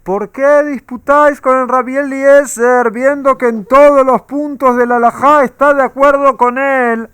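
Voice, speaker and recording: A man voicing a heavenly voice from the sky with a loud, proclaiming delivery, raised well above his own pitch. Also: steady tone, unhurried, few pauses, clear, resonant tone, no echo. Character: booming heavenly voice of God, male, commanding.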